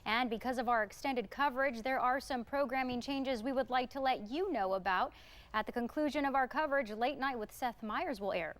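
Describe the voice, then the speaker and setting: A woman's voice: on the high side, brisk, fairly bright tone. An American woman presenting as a television news anchor in a polished style.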